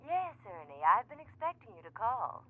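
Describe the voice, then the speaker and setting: Casting: sly femme schemer in vintage radio crime serial, animated, mockingly courteous, thin archival audio. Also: female voice, a little high, normal speed. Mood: smugly teasing. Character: cool, sly female schemer running a curio shop. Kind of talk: 1940s radio acting. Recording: thin, tinny old radio recording.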